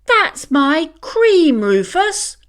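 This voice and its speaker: A woman's voice: very high-pitched, very animated, very slow, fairly bright tone, voice pushed up, heavily acted. A woman voicing a fiery, hot-tempered female cat in a children's story, with a dramatic, exclamatory delivery. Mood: indignant.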